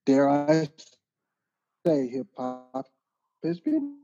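A man talking in a halting, casual way with many restarts, heard through a crackling mic that keeps cutting out. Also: medium pitch, very animated, warm tone, faint music behind. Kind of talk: casual podcast chat. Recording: dull lo-fi mic with crackle and dropouts.

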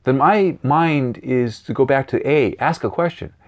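A man speaking as a guest coach in an interview, animated and repeating key phrases for emphasis. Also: medium pitch, measured pace. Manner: animated, acts out voices and sounds. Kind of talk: interview answering questions.

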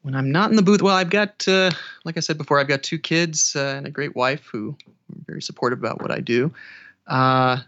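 A man's voice: a little high, brisk, a bit bright, muffled recording. A man chatting casually as a podcast guest, talking about his work as a narrator in a hesitant way with restarted phrases. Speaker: audiobook narrator and voice actor.

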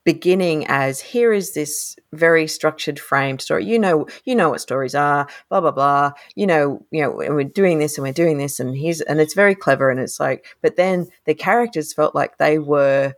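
An Australian woman co-hosting a podcast, talking through a novel in a thoughtful, animated way and laughing often. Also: low voice, normal speed, few pauses. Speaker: podcast co-host, critic. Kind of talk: casual book discussion.

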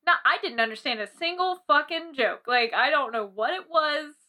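High, bright, giggly young American woman. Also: expressive, normal speed. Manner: giggly, effusive, informal. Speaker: podcast co-host. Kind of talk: casual chat.

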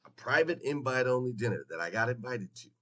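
A man hosting a motivational morning livestream, hoarse as if losing his voice, talking emphatically and chattily straight to his listeners and repeating phrases for effect. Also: medium pitch, animated, brisk, fairly bright tone. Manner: folksy, chatty direct address to listeners. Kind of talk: motivational live talk to an audience.

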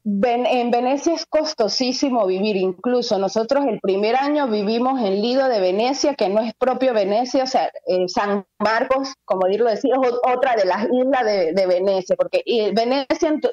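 A woman's voice: a little high, normal speed, mellow, no echo, dull audio. A Venezuelan woman, a guest in a casual radio interview, talking with many fillers and restarts.

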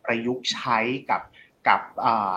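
A man co-hosting a casual talk show, explaining things in a relaxed way with frequent hesitations. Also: moderate pace, lo-fi sound. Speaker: co-host. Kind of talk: casual discussion podcast.

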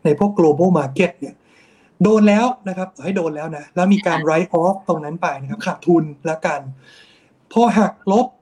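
A man's voice: on the high side, normal speed, darkish tone. A man giving an explanatory commentary on bond markets, often tagging his sentences with polite particles. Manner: explanatory, mixes English finance terms, frequent polite particles. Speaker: investment strategist.

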